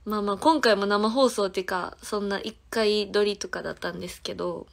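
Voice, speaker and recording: Hosting a phone livestream, an idol singer in her twenties with a Kansai accent giggles and replies to each viewer comment in turn, keeping it casual. Her mid-range voice is steady and fairly quick, with some vocal fry.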